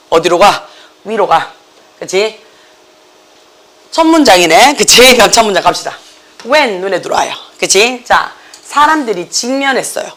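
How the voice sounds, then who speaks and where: Hoarse middle-aged teacher with a Gyeongsang accent. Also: medium pitch. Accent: Gyeongsang Korean. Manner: animated, joking, mixing English words into Korean. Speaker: English academy teacher. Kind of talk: classroom lecture. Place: classroom.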